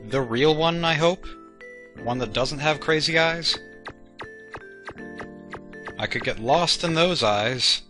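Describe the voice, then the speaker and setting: A man's voice: a little high, slow pace, pauses often, sharp tone. A young man giving casual, goofy let's-play commentary, joking about himself and tripping over his words, recorded at home on a desk mic. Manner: goofy, self-mocking, stammering restarts. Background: video game music.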